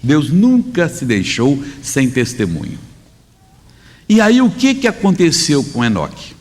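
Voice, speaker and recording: A male preacher delivers a sermon in a chatty, emphatic style, his pitch rising and falling with lively swings. His mid-range voice rings out with a long reverb tail, as in a large church hall. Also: a little slow. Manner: conversational, emphatic, self-correcting.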